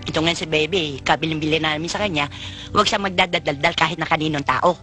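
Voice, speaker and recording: A woman's voice: sits low, steady tone, fast talker. An actress playing an emotional, pious old grandmother in a 1980s Filipino action film, with a Filipino accent. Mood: worried. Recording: old film soundtrack with loud music.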